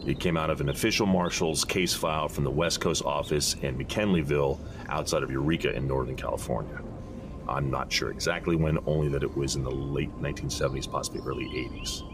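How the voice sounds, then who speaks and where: Man acting a very deep-voiced, folksy deputy marshal. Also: fairly quick, background noise. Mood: measured storytelling. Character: gruff, pious, protective deputy marshal telling a campfire-style story. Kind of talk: audio drama dialogue and storytelling.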